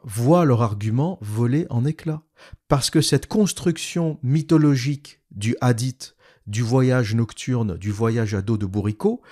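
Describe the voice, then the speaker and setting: A man's voice: medium pitch, a little mellow. Sardonic man glossing a text. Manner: sardonic, mocking asides; explanatory, restating terms. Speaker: video commentator. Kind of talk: critical commentary reading and glossing a text.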